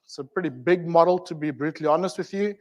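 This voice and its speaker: A man's voice: on the high side, fast talker, a little mellow. A man with a South African accent giving an informal technical talk at a community meetup, chatty and filled with ums, uhs and asides to the audience. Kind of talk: informal tech presentation.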